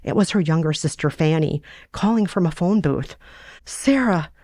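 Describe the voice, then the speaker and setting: A woman's voice: sits low, moderate pace, dark tone, dry recording, studio quality. A woman hosting a podcast, reading a story and chatting casually in a wry, self-deprecating way. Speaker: podcast host reading her own novella. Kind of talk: story narration and casual chat.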